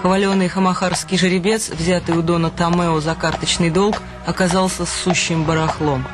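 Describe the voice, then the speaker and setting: Male narrator, high-pitched, literary radio play, scripted storytelling, clear music bed. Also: little pitch movement, normal speed.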